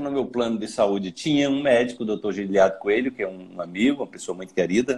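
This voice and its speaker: A man talking at a very fast pace. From Pernambuco, Brazil (sertão, then Recife). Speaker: coach and speaker on quantum healing. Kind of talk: live-stream interview. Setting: live video stream. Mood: reflective, relaxed. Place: home room. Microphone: video call.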